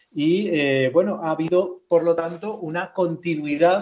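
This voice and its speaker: A man with a normal speaking voice, ordinary pitch variation and a fairly slow pace. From Spain. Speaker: science news correspondent. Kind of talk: science news report.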